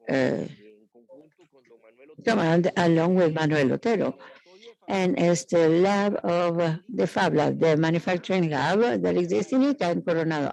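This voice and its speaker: A man giving live interpreted conference speech in halting, piecemeal phrases with frequent hesitations. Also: high-pitched, creaky, a little mellow, low-quality recording.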